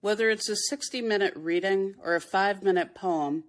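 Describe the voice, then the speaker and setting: A woman, a poet, reads written instructions aloud in a deliberate, instructive manner. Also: mid-range voice.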